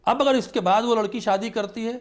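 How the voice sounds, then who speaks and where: A religious scholar appears as a guest on a studio talk show, explaining his point earnestly and emphatically. His voice is pitched a little higher than most men's.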